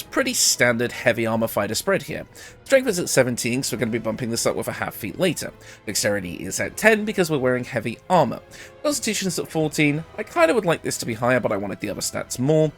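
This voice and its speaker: Animated man narrating a game guide, slightly under the weather. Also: mid-range voice. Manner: informal, conversational, explanatory. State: ill, voice recovering after losing it. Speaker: gaming video creator presenting a character build guide. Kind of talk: casual game guide commentary.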